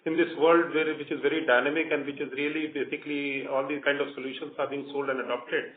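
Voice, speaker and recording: A man's voice: on the high side, level tone, fast. An Indian-accented man, a company executive answering questions on an earnings call in an emphatic, repetitive way. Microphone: conference call phone. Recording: echoey, tinny conference phone line.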